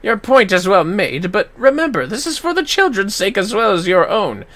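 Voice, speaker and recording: Man playing courteous fantasy game mentor, grandiloquent archaic speech, measured delivery, bright voice. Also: sits high, very animated.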